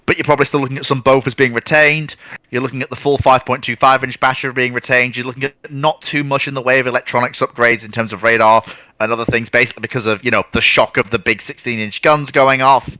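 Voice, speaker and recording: A man with a bright, crisp-edged voice, recorded very dry and close. He explains informally as a discussion panellist, using colloquial turns and stacking one point on another. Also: mid-range voice, fairly even intonation, quick pace, no room sound. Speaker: naval history discussion panellist.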